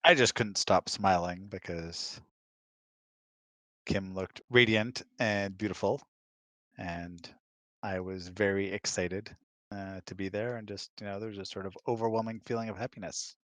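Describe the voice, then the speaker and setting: A man's voice: low voice, fairly even intonation, a little slow, fairly bright tone, no room sound. A man answering questions in a casual, informal, conversational way. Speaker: co-host, husband of the host.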